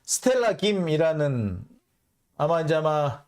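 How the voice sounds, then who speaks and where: Animated Korean commentary host, man. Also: on the high side, a little slow. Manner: animated, mocking, acts out blunt quotes. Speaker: host of a political commentary channel. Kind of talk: solo political commentary reading foreign news.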